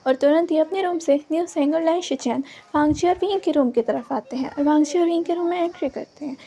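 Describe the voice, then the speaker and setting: A woman narrates her own fan-fiction story in an animated, casual way. Her voice sits high and light. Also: brisk. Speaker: fanfiction storyteller.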